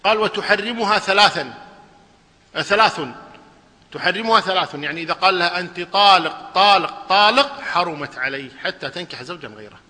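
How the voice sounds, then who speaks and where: A man's voice: high-pitched, fast, long reverb tail. A man teaching a religious lesson, explaining a text and asking his class questions that he then answers himself. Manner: lively, asks the class questions and answers them. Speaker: Islamic scholar teaching a lesson.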